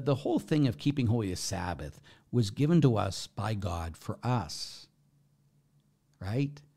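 A man's voice: lowish voice, gravelly, dark tone. A man speaking as a Catholic priest, giving informal religious teaching and answering questions in a conversational, emphatic way, often checking in with listeners.

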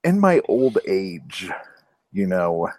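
A man's voice: low-pitched, very animated, slow, darkish tone, no room sound. Dry-voiced man in his thirties. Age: 30s. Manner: profane, dry joking. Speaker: podcast co-host. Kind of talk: casual chat.

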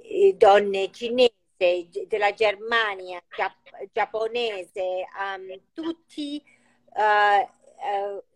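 A woman who grew up in the United States, speaking halting Italian with an American English accent as an interview guest, searching for words and slipping into English. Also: medium pitch. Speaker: guest, chef and cookbook author.

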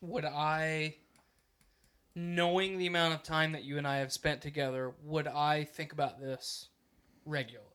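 A young man hosting a podcast, chatting casually with crude, deadpan jokes. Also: fairly high pitch, normal speed, smooth. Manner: joking, crude, deadpan asides. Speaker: podcast host.

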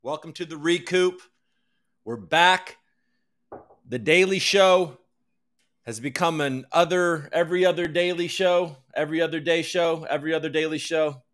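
A man's voice: fairly high pitch, moderate pace, a bit bright. A man hosting a crypto news livestream, chatting casually in a rambling, self-deprecating way and swearing freely. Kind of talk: casual chat.

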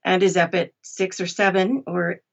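A woman's voice: lowish voice, fairly even intonation, moderate pace, gravelly, dull audio. A middle-aged woman speaking conversationally as an interview guest about her work. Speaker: interview guest, audiobook narrator.

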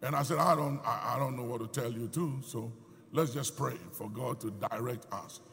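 A male preacher gives an emphatic sermon at normal speed, his gravelly, bright voice sitting a little high. The sound rings out through a big hall with long reverb.

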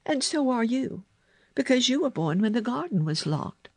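Storybook role: earnest ten-year-old girl, direct and eager, pitched up high, voiced by a woman. Animated delivery. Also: moderate pace, husky, no room sound, exaggerated voice. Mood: confiding, nervous. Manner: eager, direct, sometimes anxious.

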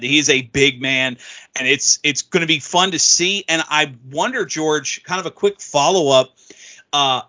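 Guy asking questions, keeps restarting his sentences, kinda bright tense voice, a bit lo-fi. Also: fairly high pitch. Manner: halting, restarts often. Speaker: interviewer. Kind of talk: casual interview chat.

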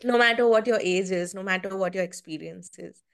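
A woman's voice: medium pitch, a little fast, creaky, clear, resonant tone. A woman in her twenties, a podcast guest, telling stories in casual conversation and acting out what people said. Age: 20s. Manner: animated storytelling, acts out quotes. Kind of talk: casual interview chat.

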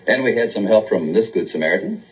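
An actor playing an earnest male military officer in a brisk, reassuring 1970s TV drama style. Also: lowish voice, expressive, lightly acted, low-quality recording. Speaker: major.

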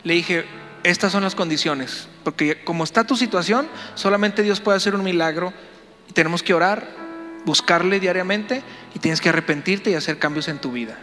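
A man, a pastor, telling a story in a sermon, animated and playful as he talks to the congregation. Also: sits high, moderate pace, big-room sound, faint music behind.

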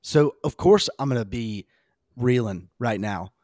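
A man with a slightly hoarse voice hosting a casual, rambling, emphatic fan talk on a sports podcast. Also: mid-range voice, animated, measured pace, darkish tone, no echo, clean studio sound.

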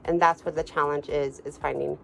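A man's voice: on the high side, flat delivery, fairly quick, vocal fry, a bit bright, a little hiss or hum. A man of thirty speaking steadily and thoughtfully in a testimonial interview. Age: 30s.

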